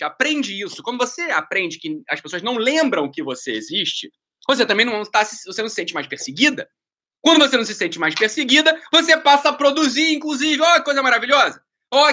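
A man's voice: very high-pitched, bright, forceful tone. A man with a Brazilian Portuguese accent, hosting a live stream and ranting bluntly at viewers, sarcastic and swearing often. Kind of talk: blunt motivational rant.

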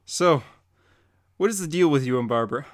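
A man's voice: a little high, animated, brisk, no room sound, studio quality, close to an everyday voice. A man voicing a cheeky teenage boy sidekick in a dramatic comic reading, asking curious questions.

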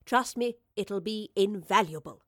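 Female professor-adventurer, voiced by a woman narrator, storybook. Brisk, cheerful, affectionate, politely old-fashioned. Dry. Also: mid-range voice, fairly bright tone, no room sound. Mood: assured.

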